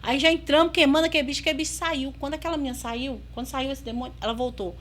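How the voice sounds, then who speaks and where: Animated Brazilian woman telling a story. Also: high voice, racing, slight background noise. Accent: Brazilian Portuguese. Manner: animated storyteller, acting out quoted dialogue. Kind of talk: casual podcast storytelling.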